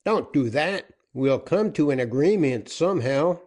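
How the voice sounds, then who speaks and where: A man voicing a commanding outlaw captain in a storybook reading, loud and forceful. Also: fairly high pitch, animated, measured pace, pitched above the performer's own voice.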